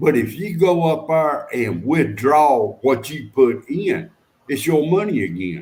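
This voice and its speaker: Lively intonation and vocal fry mark this man's fairly high voice. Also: fairly slow pace. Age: 60s. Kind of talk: casual chat. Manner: animated.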